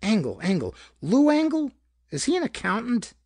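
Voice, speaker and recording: A man's voice: very high-pitched, wildly swooping pitch, normal speed, darkish tone, no echo, studio quality, pitched above the performer's own voice, full character voice. A man voicing a sly, smug schemer who puts questions in a casual, probing way in a pulp detective story. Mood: feigned casualness.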